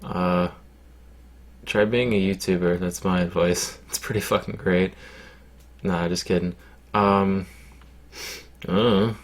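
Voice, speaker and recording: A man answering viewer questions in casual chat, deadpan and low-key, rambling with lots of fillers and swearing. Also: slow, pauses often. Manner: deadpan, low-key, sounds glum by his own account.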